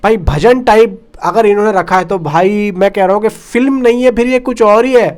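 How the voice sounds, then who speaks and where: A man with a distinctly high voice presents informal film news commentary. He talks in a chatty way, addressing his viewers directly as brothers and friends. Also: moderate pace. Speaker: film news YouTube host.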